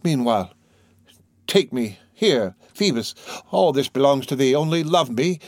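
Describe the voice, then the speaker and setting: A man's voice: medium pitch, animated, measured pace, dry recording, natural voice. A man voicing a passionate young gypsy girl in an audiobook, imploring and devoted in archaic words. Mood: pleading, submissive.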